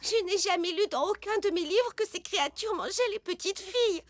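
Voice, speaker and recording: A woman's voice: very high-pitched, animated, fairly quick, very noisy. A woman voicing a bookish, sceptical little girl in a children's cartoon, reasoning anxiously. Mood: worried, reasoning. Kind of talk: animated children's cartoon dubbing.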